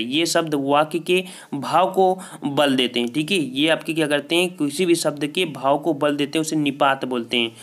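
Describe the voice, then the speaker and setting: A man preparing students for exams solves a Hindi grammar test aloud, his pitch fairly high and tone fairly bright. Each answer is repeated, then confirmed with "ठीक है".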